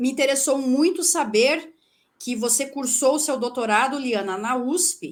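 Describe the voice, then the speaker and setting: A woman's high pitch at a moderate pace, with ordinary pitch variation. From southern Brazil, Passo Fundo (Rio Grande do Sul). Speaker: literature professor, interviewer. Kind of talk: interview.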